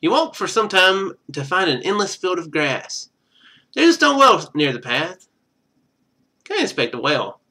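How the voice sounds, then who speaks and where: A man with a bright, fairly high voice plays a game for a live stream. He reads the on-screen narration aloud with very animated pitch, then drops into casual commentary with wry, sarcastic asides.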